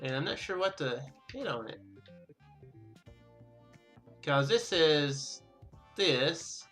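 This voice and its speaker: A man hosts a casual gaming playthrough in a bright, fairly high voice that swings widely in pitch. He rambles and thinks out loud as he goes. Music plays faintly behind him. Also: expressive, slow pace. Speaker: gaming video host. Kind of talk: casual let's play commentary.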